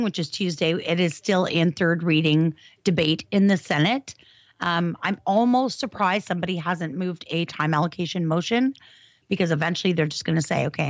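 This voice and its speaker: A woman's voice: on the low side, moderate pace, dry recording. A woman co-hosting a podcast over a video call, explaining things in a matter-of-fact way. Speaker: podcast co-host. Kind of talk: casual talk show discussion. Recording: slightly dull video call audio.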